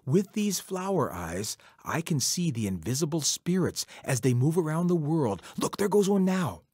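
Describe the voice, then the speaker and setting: A man plays a vain trickster coyote from a told folktale. He pleads and schemes in a high, slightly husky whine. His pitch leaps about as he stammers and wheedles. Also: big pitch swings, moderate pace, darkish tone, dry recording, studio quality. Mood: sly boasting.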